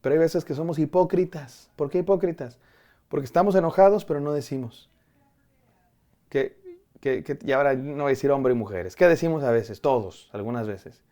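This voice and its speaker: A man's voice: on the high side, normal speed, warm tone. A middle-aged man preaching a devotional sermon to a camera, earnest and conversational, often restarting and repeating his words. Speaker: pastor. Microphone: camera framing, speaking to camera.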